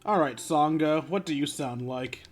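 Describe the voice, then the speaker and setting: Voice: mid-range voice, normal speed. A game streamer giving casual, blunt, sarcastic and sweary commentary while playing. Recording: faint game music behind.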